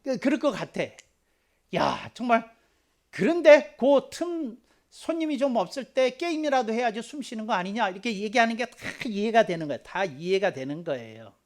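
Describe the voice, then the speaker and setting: A man preaching a short children's sermon as a pastor, talking conversationally, repeating key phrases and swinging into loud, emphatic bursts. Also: high voice, lively intonation, brisk.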